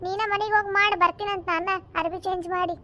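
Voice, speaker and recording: Squeaky bright north karnataka village aunties nagging each other in a cartoon. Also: female voice, fairly even intonation. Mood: bickering. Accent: North Karnataka Kannada. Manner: quick, scolding banter. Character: gossipy village women, bickering, adult. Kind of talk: cartoon comedy dialogue.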